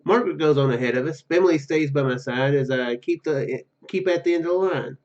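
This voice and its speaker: A man with a somewhat high voice plays a story game on video. He reads the narration aloud with stumbles and casual asides. His sound is a bit dull and lo-fi. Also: darkish tone. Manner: halting, stumbling over words while reading. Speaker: gaming YouTuber. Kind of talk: reading visual novel narration aloud with casual commentary.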